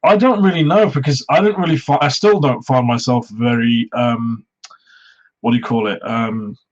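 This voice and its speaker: A man's voice: medium pitch, steady tone, normal speed. Man in his thirties, raised in Wales, modest, hesitant, lots of ums, muffled lo-fi sound. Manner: soft-spoken, modest, hesitant with many ums. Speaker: guest, Pokemon YouTuber. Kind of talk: casual interview chat. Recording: dull lo-fi sound.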